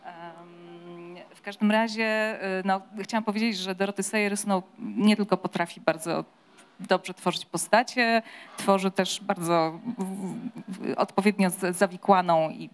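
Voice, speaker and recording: A woman interviewer discussing a novel, speaking in a halting way with many restarts. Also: mid-range voice, steady tone. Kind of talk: book discussion.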